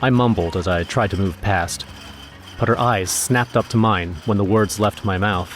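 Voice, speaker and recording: An actor playing a wry, uneasy everyman who narrates his own horror story in a measured, scripted style. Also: fairly low pitch, faint music behind, close to an everyday voice. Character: wry, nervous everyman narrator recounting a snowstorm errand.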